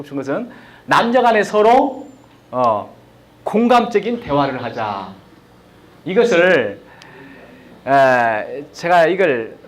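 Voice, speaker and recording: A man giving a live lecture on communication, asking the audience questions and acting out example sentences. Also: a little high. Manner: lively, questions the audience, acts out example lines.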